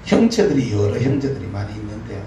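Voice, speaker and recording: A man's voice: fairly low pitch, sing-song, fast talker. A middle-aged man preaching a sermon in a folksy way, acting out prayers and grumbles with frequent laughs. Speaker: pastor. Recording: echoey room, mic at a distance, faint noise.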